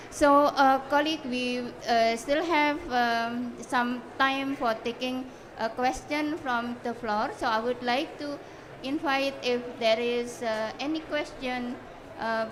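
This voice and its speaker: Indonesian woman moderating a panel, high voice. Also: noisy background. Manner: hesitant, many fillers and restarts. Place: conference pavilion.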